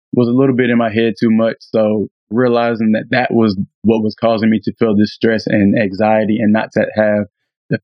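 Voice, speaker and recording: A man co-hosting a podcast, voice raspy after the flu, speaking in an earnest, reflective casual chat. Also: lowish voice, no room sound, muffled recording. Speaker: podcast co-host and audio engineer.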